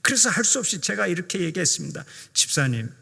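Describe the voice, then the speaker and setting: Gravelly-voiced older man preaching. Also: a little high, expressive, moderate pace, fairly bright tone. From Jeolla, South Korea. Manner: earnest preaching, acts out quoted speech. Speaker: pastor. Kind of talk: sermon. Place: church sanctuary. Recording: church hall reverb.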